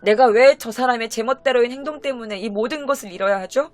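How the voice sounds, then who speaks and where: A woman's voice: a little high, fast talker, soft background music, natural voice. A woman voicing a frightened young woman who pleads tearfully in court.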